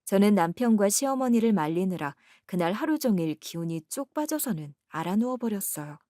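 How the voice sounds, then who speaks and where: A woman's voice: mid-range voice, expressive, brisk, warm tone, no echo, studio quality. A woman telling a true-life family story in the first person, in scripted narration.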